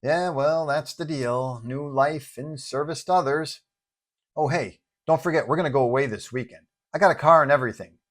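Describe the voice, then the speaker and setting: A man's voice: on the high side, moderate pace, natural voice. A man voicing a breezy, earnest male superhero in an audio story, talking in a casual, upbeat way.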